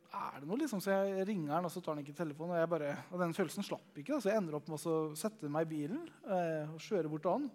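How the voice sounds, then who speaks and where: Storytelling man, slightly high voice. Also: a little mellow. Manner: storytelling, conversational with many fillers. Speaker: Christian youth leader giving testimony. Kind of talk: testimony.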